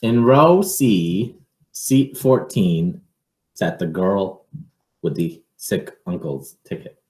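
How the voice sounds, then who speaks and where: A roomy, echoing recording of a man reading a children's picture book aloud. He takes it very slowly in a fairly low voice, expressive and measured, with informal asides to young listeners.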